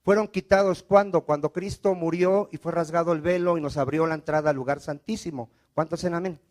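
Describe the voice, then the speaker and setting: A man's voice: on the high side, steady tone, a little fast, a little mellow. A man preaching a sermon as pastor, asking the congregation questions and having them repeat after him. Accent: Mexican Spanish. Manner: call-and-response preaching, frequent rhetorical questions.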